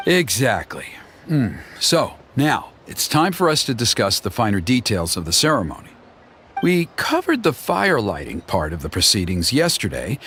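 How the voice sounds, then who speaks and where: A man voicing a smooth-talking, flattering male tribal elder who persuades the heroes in a game. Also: medium pitch, slight background noise. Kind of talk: game voice acting. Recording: game music behind.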